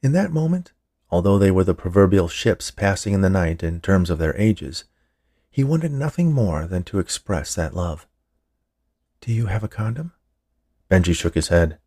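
Low gravelly man narrating fiction. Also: big pitch swings, moderate pace, warm tone. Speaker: writer, narrator and podcast host.

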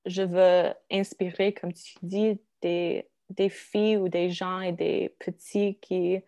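A woman, native English speaker, chatting casually in halting French with an English-speaking accent, searching for words and slipping into English. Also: lowish voice, level tone, dark tone. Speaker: interview guest.

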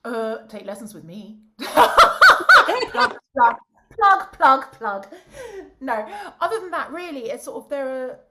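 Bright, bubbly woman singer. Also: high voice, takes it slowly, slight background noise. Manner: bubbly, animated, laughs often. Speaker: guest, opera singer and voice coach. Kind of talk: casual chat.

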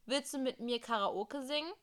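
A woman's voice: high voice, normal speed. A woman co-hosting a podcast, reading an interactive story game aloud with casual asides.

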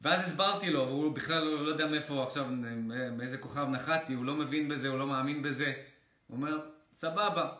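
Bright-voiced man in an echoey room. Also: medium pitch. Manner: animated, retells with excited outbursts and swearing. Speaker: motivational creator. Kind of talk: casual storytelling to viewers.

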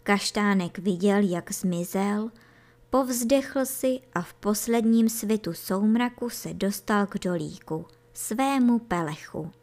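A woman storyteller reading a children's book aloud in a calm, measured way. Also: medium pitch.

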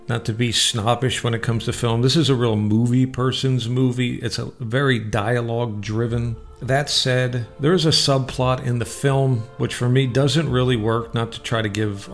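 A man hosting a radio show, giving casual, opinionated film reviews in a conversational way. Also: medium pitch.

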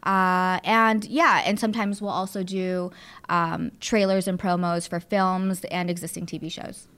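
In a clear, resonant voice of fairly low pitch, a woman speaks at a measured pace with a level, fairly bright tone. She's a producer and studio owner in her thirties, Filipino-born and Southern California-raised, chatting loosely as a guest with many fillers and asides.

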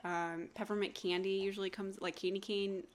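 A woman's voice: medium pitch, little pitch movement, a little fast. A woman co-hosting a podcast in casual chat, rambling along with lots of "like" and "um". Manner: chatty, rambling, with many fillers. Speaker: podcast co-host.

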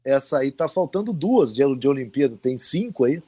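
A man's voice: medium pitch, brisk, husky. A middle-aged man from Rio do Sul, a veteran sports reporter telling stories as a guest and acting out the voices he quotes. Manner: animated anecdotal storyteller who acts out quoted voices. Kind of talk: casual storytelling interview.

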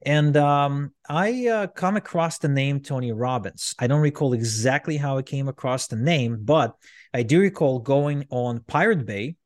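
A man from Ukraine talks at an ordinary pitch for a man, looping through his story with restarts and "um"s. He is an interview guest, and his voice sits close and dry with no room sound. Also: measured pace, no room sound. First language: Russian. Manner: rambling, frequent restarts and fillers. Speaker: podcast guest, entrepreneur.

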